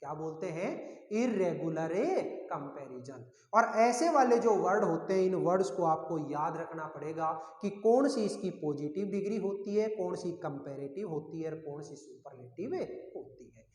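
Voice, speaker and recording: A man's voice: on the high side, lively intonation, moderate pace, darkish tone. A male teacher giving a grammar lesson, asking questions and answering them himself, repeating key words. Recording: echoey room with long reverb.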